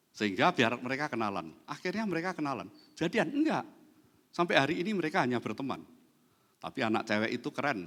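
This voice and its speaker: A middle-aged male pastor, preaching a lively sermon and acting out dialogue in his stories. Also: medium pitch. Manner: animated, acts out dialogue in anecdotes. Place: large church hall. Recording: church hall with long reverb.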